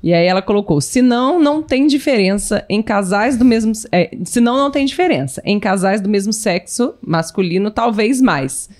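A woman co-hosting a casual live podcast, talking quickly and reading listener comments aloud. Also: medium pitch, lively intonation, a little mellow. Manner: talks fast, reads comments aloud, agreeable "sim". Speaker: podcast co-host.

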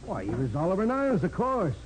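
A man's voice: sits high, wildly swooping pitch, fast talker. An actor playing a blunt, slangy, overconfident police sergeant, a man in a 1940s radio crime drama. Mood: sure, impatient. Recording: noisy vintage 1940s radio recording.

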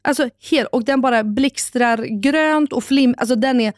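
This is a woman in her thirties with a fairly high voice, chatting on a podcast and acting out what people said as she tells her story. The recording is dry and close to the mic. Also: no echo. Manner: animated storytelling, acts out quotes, swears casually. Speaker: podcast co-host. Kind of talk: casual chat.

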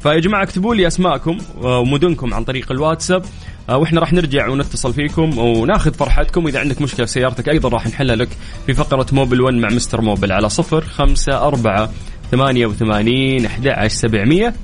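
Fast-talking upbeat radio host. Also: male voice, mid-range voice, soft background music. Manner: fast, upbeat, laughs often. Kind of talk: excited radio call-in show.

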